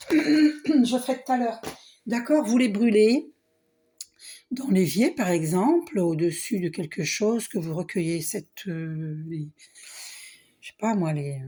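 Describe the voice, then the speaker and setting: A hoarse middle-aged woman with a husky voice, talking casually in a spiritual vlog, often clearing her throat and trailing off. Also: medium pitch. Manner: frequent throat clearing and coughing; hesitant, restarts, soft asides. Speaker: spiritual vlogger. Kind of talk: casual spiritual vlog, reading card box aloud.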